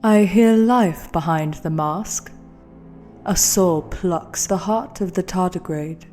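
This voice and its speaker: A woman's voice: lowish voice, takes it slowly, dark tone, soft background music, voice pushed up. A woman's voice playing an eerie masked cultist in a horror story, speaking cryptically and solemnly.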